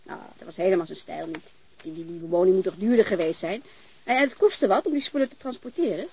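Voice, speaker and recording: An actress playing a blunt, warm-hearted, talkative landlady in a naturalistic radio drama, informal and frank. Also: on the low side, fast talker, creaky, breathy edge, low-quality recording. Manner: informal, chatty, frank, mild swearing.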